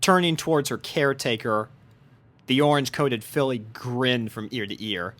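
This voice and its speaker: A man narrates a fan fiction story aloud in scripted storybook style, with music playing in the background. His voice is medium-pitched and fairly bright, at a moderate pace.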